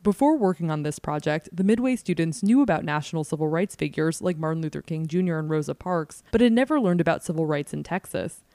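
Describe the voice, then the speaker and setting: Mellow, low-voiced American public radio host. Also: female voice, lively intonation, fast, few pauses, no echo. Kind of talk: scripted narration in a public radio host manner.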